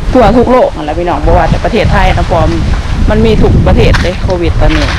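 Recorded with a dry sound and no echo, a woman speaks over noticeable background noise. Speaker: vlogger. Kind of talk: casual vlog chat. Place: forest. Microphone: phone near.

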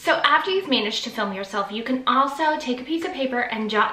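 A woman talks at a fairly quick pace in a raised, projected voice, with audible room echo and light background noise. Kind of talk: casual vlog advice. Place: home room. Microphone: camera far.

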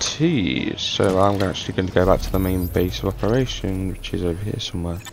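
A man's voice against noticeable background noise. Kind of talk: casual gameplay commentary. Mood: a bit awkward, light-hearted.

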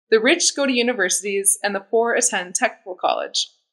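A woman with an American accent at a moderate pace, with ordinary pitch variation and a quiet background. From northern Wisconsin. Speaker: university student. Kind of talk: prepared speech. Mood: earnest, persuasive. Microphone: webcam.

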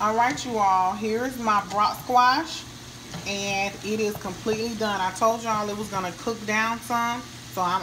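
Against noticeable background noise, a woman speaks at a moderate pace with fairly even intonation. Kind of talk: casual cooking tutorial. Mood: relaxed, friendly. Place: kitchen. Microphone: phone near.

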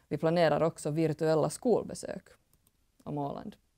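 A woman speaks in a dark, mellow tone. The background is quiet. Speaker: program coordinator. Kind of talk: formal welcome speech.

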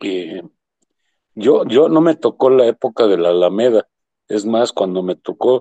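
A man's fairly low-pitched, dark, mellow voice at a fairly slow pace, with ordinary pitch variation, a dry sound with no echo and a quiet background. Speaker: local historian; guest. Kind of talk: casual chat. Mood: reminiscing, conversational. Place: home room. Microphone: video call.

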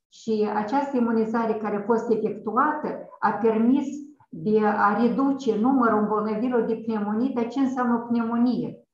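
Audible room echo surrounds a woman whose fairly high pitch moves with fairly even intonation. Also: moderate pace. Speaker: academician, medical researcher; presenter. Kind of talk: lecture. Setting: video call. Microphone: video call.

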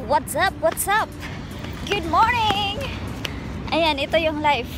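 At a fairly slow pace, a woman uses a raised, projected voice with very wide pitch swings, music playing in the background and a dry sound with no echo. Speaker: vlogger. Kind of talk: casual vlog chat. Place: street. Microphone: phone near.

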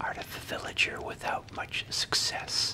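Whispering, a man speaks at a very slow pace. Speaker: gamer, ASMR creator. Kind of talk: casual gaming commentary. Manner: whispered. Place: home room. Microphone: studio mic.

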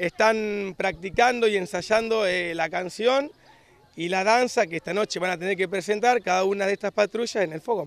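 At a moderate pace, a man with a high pitch and ordinary pitch variation speaks in a dry sound with no echo. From Argentina. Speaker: summer camp coordinator; teacher. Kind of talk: interview. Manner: hesitant. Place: garden. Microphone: handheld.

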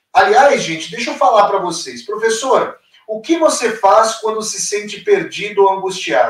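Fairly slow male speech at a high pitch, with very wide pitch swings and audible room echo against a quiet background. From Brazil. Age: 40s. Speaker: writer and teacher, YouTuber; teacher, YouTuber. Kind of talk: live online lecture. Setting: live stream. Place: home room. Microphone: webcam.

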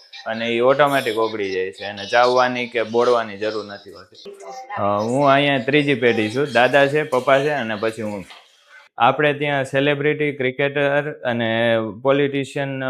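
Over music in the background, a man speaks with big swings in loudness. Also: medium pitch for a man, ordinary pitch variation. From Gujarat, Saurashtra (Bhayavadar, Rajkot). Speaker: snack shop owner. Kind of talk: interview.

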